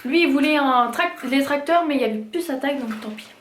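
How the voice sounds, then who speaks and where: Brief: high-pitched woman from France, casual haul vlogger, talks with fillers, echoey room with faint hiss. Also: quick pace, a bit bright. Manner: chatty, hesitant with many fillers. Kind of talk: casual product haul chat.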